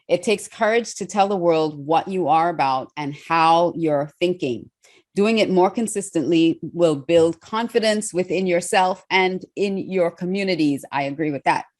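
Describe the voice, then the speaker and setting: A woman's voice: lowish voice, unhurried, a little mellow. Enthusiastic Trinidadian woman podcast host. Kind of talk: podcast interview.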